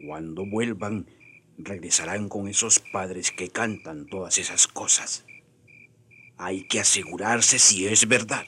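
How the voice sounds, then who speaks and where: An actor playing a grave, watchful tribal chief and father in a radio drama, husky and measured in his commands. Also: deep voice, pushed and bright, slight background noise, exaggerated voice. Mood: stern, measured.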